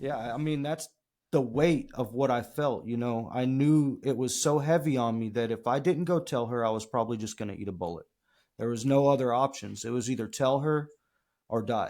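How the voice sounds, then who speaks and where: The recording is very clean, with a silent background. A man with a medium pitch and a dark, mellow tone speaks with ordinary pitch variation. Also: moderate pace. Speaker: gospel rapper. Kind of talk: interview answer.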